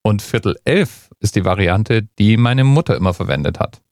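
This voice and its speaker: A man's voice: on the low side, expressive, normal speed, a little mellow, no echo, clean studio sound. A man from Bavaria, host, talking through a topic in a conversational, explanatory way. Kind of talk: scripted explainer narration.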